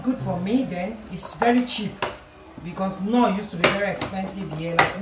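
Chatty Nigerian mom vlogging at home. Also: female voice, mid-range voice. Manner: chatty, repeats herself, playful bursts of self-praise. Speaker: vlogger and mother. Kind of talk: casual home vlog narration. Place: small home kitchen indoors. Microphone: camera on tripod. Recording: noisy home camera recording.

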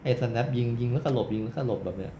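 Man, gameplay streamer, rowdy and loud, echoey room, faint gunfire behind. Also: medium pitch, expressive, racing, vocal fry, background noise. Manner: loud, rowdy, swears and yells while fighting. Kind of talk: casual live gameplay commentary. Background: gunfire from the game.

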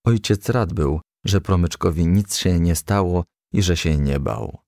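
A man narrating a children's storybook as a gentle, lively storyteller. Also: low voice, measured pace, no room sound, clean studio sound.

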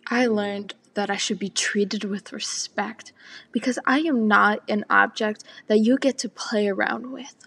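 Teen girl for spoken word, husky with a gravelly edge, slow and deliberate delivery. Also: mid-range voice, steady tone, a bit bright. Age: teens. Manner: slow and deliberate, partly whispered.

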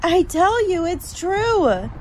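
A woman's voice: extremely high pitch, big pitch swings, takes it slowly, a little mellow, a little hiss or hum, exaggerated voice. A woman playing a sarcastic, complaining young college student in a radio play. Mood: insistent, skeptical. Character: grumbling, wisecracking young female college student.

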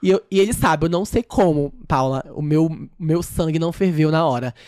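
A woman's voice: low-pitched, no echo, studio quality. A trans woman, a dancer and podcast guest, telling a story in a casual interview and acting out what others said. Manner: fast, animated retelling that acts out others' quoted speech. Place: podcast studio.

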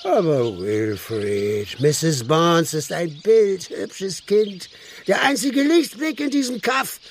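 An actor playing a drunken, mocking, lecherous village squire and colonel in a German radio play. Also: male voice, high-pitched, animated, slow, a little hiss or hum, full character voice. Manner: sneering, swaggering, swinging from murmurs to shouts.

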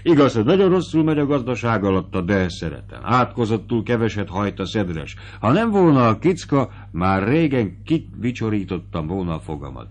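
A man's voice: on the low side, big pitch swings, few pauses. A man voicing a genial, self-satisfied baron who talks in an expansive, declaiming way. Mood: jovial, boastful. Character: genial high-born male baron, talkative and self-satisfied.

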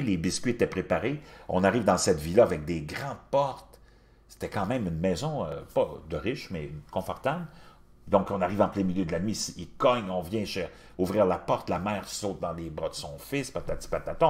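A man in his fifties with a Québécois accent, telling a personal story in a casual, animated way and talking straight to the listener. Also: sits low, normal speed. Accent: Québécois French. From Quebec. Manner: animated, addresses the listener directly.

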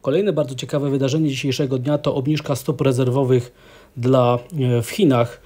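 A man giving measured market commentary over charts as an analyst, with frequent hesitations. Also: mid-range voice, steady tone, dark tone.

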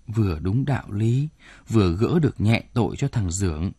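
A man's voice: fairly low pitch, expressive, moderate pace, warm tone, husky, no echo, studio quality. A man doing a weary grieving father. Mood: grave. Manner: sorrowful, stern.

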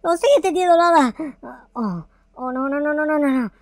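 Man acting young game noob, very high voice, easily panicked, exclaiming, repetitive, dry recording. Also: lively intonation, normal speed, dry recording. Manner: exclaiming, foul-mouthed, repeats words in bursts. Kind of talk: improvised game roleplay.

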